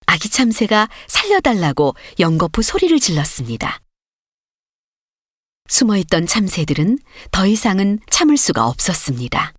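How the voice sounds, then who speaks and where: A woman reading a storybook as an audiobook narrator, with expressive, clearly paced scripted delivery. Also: mid-range voice, normal speed, dry recording, studio quality.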